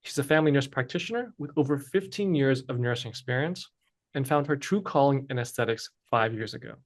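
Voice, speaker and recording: A man's voice: medium pitch, brisk. A man hosting a podcast, reading a guest introduction and asking interview questions. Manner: steady, reads scripted intro then asks questions. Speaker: podcast host.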